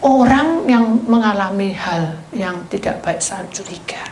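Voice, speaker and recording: A woman pastor preaching and telling stories, animated, dropping into whispered asides while addressing the congregation. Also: mid-range voice, a little slow. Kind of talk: sermon with storytelling. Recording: roomy hall echo, faint noise.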